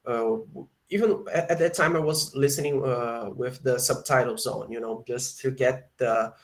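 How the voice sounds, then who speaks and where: A Brazilian man with a Brazilian Portuguese accent, a student on a video call who hesitates and fills pauses while he hunts for words. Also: medium pitch. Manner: hesitant, many fillers while searching for words. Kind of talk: casual conversation lesson.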